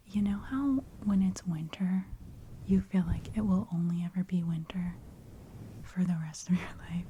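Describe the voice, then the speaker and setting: A woman in her thirties giving a soft, encouraging whispered ramble for ASMR, full of "like" fillers, close on the mic. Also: fairly low pitch, slight background noise. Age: 30s. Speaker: ASMR creator. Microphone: close studio mic with brushing.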